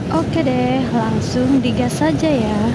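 Loud background noise accompanies a woman's voice, with a dry sound and no echo. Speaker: motovlogger. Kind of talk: casual vlog narration. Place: motorbike. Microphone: helmet.

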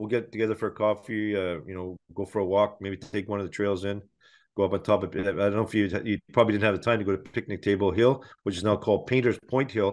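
Against a quiet background, a man speaks very fast at a fairly low pitch with fairly even intonation. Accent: northern Ontario. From northwestern Ontario, Canada. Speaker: mayor. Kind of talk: interview.

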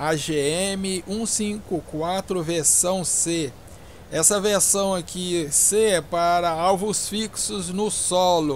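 Speaking with a Brazilian accent, a man uses a high pitch and fairly even intonation. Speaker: gaming video creator. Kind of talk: gameplay commentary. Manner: casual, relaxed.

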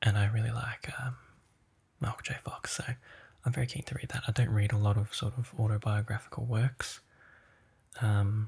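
Somewhat breathy and monotone, a man speaks at a moderate pace with flat intonation and long, frequent pauses. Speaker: vlogger. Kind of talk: casual vlog chat. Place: home room.

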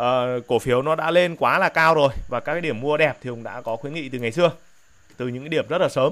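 Speaking very fast, a man uses a fairly high pitch with ordinary variation. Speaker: stock market analyst. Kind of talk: market analysis broadcast. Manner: hesitant, frequent fillers.

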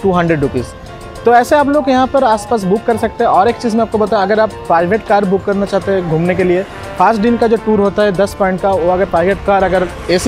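Clear music plays behind a man talking at a fairly quick pace in a high voice with ordinary pitch variation. The sound is dry, with no echo. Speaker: travel vlogger. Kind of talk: casual vlog chat. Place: street. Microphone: lapel.

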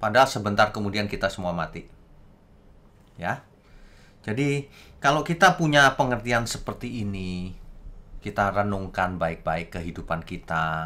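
A bright, sharp, animated tone with lively intonation, a moderate pace and long, frequent pauses. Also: man, fairly low pitch for a man. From Indonesia. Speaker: pastor. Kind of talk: sermon. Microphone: webcam.

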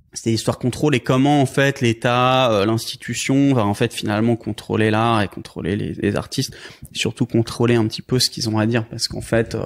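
The sound is dry and close, with no echo. A man of medium pitch talks at a fairly quick pace with fairly even intonation. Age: 30s. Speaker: street artist. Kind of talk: interview conversation. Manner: halting.

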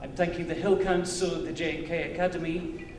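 The speech is monotone and flat at a moderate pace, with audible room echo and light background noise. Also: man. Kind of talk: formal speech. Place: hall. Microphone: podium.

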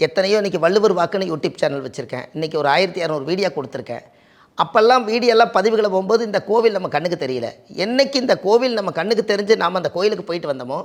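Lively intonation carries a man's high-pitched voice. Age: 40s. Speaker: astrologer. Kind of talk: interview, explaining remedies.

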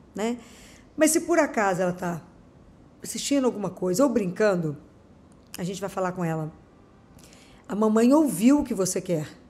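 The voice has a dark, mellow tone, somewhat breathy, with very wide pitch swings. Pauses come long and often. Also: woman, moderate pace. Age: old. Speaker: doctor and podcast host; podcast host. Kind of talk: casual chat. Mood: warm, explanatory. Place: studio. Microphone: studio mic.

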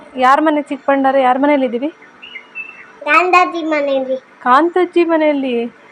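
A woman talks with a high voice over noticeable background noise. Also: fairly even intonation. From India, Karnataka, Kodagu district (Somwarpet taluk village). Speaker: YouTube vlogger. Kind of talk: casual vlog narration. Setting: family home in village.

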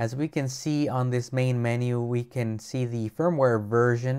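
Speech at a fairly slow pace over a quiet background. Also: man. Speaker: tech reviewer. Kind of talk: tutorial. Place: home room. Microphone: lapel.

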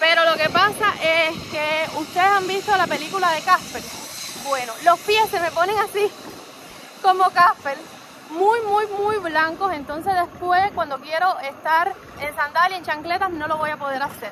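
A woman's raised, projected voice at an extremely high pitch, fairly slow in pace with ordinary pitch variation, dry with no echo, over noticeable background noise. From Cuba. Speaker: vlogger. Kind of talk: casual vlog talk to camera. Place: motorbike. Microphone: phone near.

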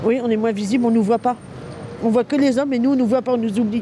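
A woman with a fairly high pitch speaks with fairly even intonation. The sound is dry with no echo, with light background noise. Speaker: homeless woman; interviewee. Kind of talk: street interview. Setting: outdoors. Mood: indignant, upset. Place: street. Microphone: handheld.

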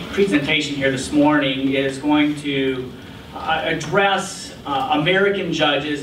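Light background noise and audible room echo surround a man's voice. He speaks at a fairly slow pace with ordinary pitch variation. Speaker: law professor presenter. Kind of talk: lecture. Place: hall.

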